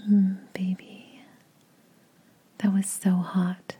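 A woman whispering close to the mic in a slow, coaxing, commanding voice for an intimate audio roleplay. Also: mid-range voice, completely flat delivery, dark tone, slightly rough. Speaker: adult audio performer.

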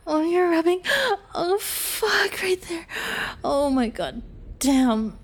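A woman acting a sarcastic, flustered young woman in an adult audio roleplay, halting, breathy and whiny. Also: extremely high pitch, animated, exaggerated voice. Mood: flustered, aroused.

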